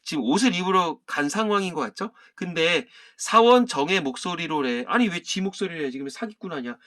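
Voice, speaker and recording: A man teaching literature who reads through a play and stops to explain it in a loose, conversational way. He keeps firing rhetorical questions at his students. His voice sits a bit high for a man, and his pitch rises and falls a lot. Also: animated, brisk, bright, forceful tone. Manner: casual, talks straight to students with rhetorical questions. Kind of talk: lesson reading and explaining a play.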